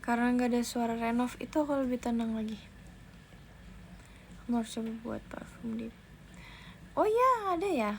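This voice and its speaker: A woman's voice: on the high side, normal speed, long pauses, a little hiss or hum. Chatty young woman on a livestream. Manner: chatty, thanks viewers, restarts sentences. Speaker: idol livestreamer. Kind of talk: casual livestream chat. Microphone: phone.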